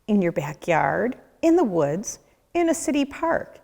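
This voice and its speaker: A woman reading a children's picture book aloud as a nature educator, with a deliberate, questioning storyteller delivery. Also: mid-range voice, sing-song, vocal fry, darkish tone. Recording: echoey room with long reverb.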